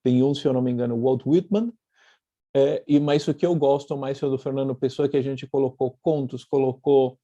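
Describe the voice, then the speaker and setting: In an online lecture held over a video call, an Argentine publisher speaks as a guest, lightly accented, pausing to think and often restarting or filling gaps. His medium, dark voice stays steady and moves a little fast. The recording is muffled but has no echo.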